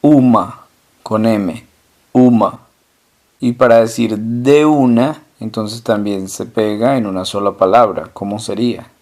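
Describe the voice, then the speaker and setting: A man teaching a language lesson, asking questions and then answering them himself, slowly repeating each example word. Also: lowish voice, fairly even intonation, a little mellow.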